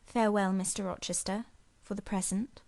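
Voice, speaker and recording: A woman's voice: medium pitch, fairly even intonation, normal speed, vocal fry, natural voice. A woman voicing a young governess who speaks politely but holds her ground. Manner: restrained, polite, quietly firm.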